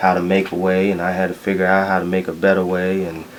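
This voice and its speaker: Through noticeable background noise, a man with a very deep, low pitch talks at a fairly quick pace in a monotone, flat intonation. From Japan, raised in US. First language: Japanese. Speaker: entrepreneur, studio owner. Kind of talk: interview. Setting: studio.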